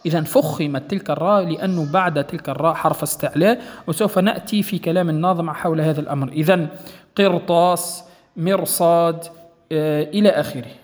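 A man's voice: a little high, fast talker. Man teaching recitation rules in a reverberant hall. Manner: patient, repeats points and checks understanding. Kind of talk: explanatory tajwid lesson.

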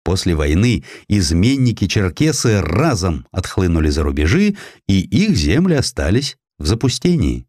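A male audiobook narrator with a low voice tells a historical tale theatrically. His intonation moves widely and expressively, and the sound is close and dry. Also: big pitch swings, normal speed, darkish tone, no room sound. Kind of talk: dramatized scripted narration of a historical sketch.

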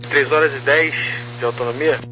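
A man's voice: mid-range voice, steady tone, a little fast, dull audio. A man working as an air traffic controller, giving clipped procedural instructions over a walkie-talkie style radio. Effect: over walkie-talkie style two-way radio. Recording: noisy two-way radio, loud hum and static.

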